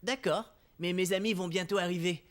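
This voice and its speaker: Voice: mid-range voice, fairly even intonation, moderate pace, a little hiss or hum, close to an everyday voice. An actor voicing a friendly older boy who leads a band, instructing and encouraging younger children in a cartoon dub. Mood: playful, instructing.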